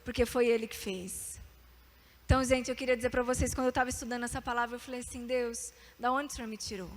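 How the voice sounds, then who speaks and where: A young woman with a high, light voice preaches to a youth group. She tells her own story and keeps calling the crowd to answer amen and repeat lines after her. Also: fast. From Brazil. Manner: animated, calls for amens and repeat-after-me. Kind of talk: sermon with testimony.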